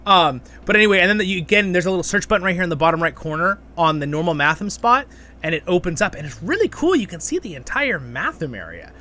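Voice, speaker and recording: A man's voice: sits high, big pitch swings, fast talker, sharp tone. A man hosting a gaming channel, giving a casual, rambling gameplay guide and chatting to viewers as friends. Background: game background music.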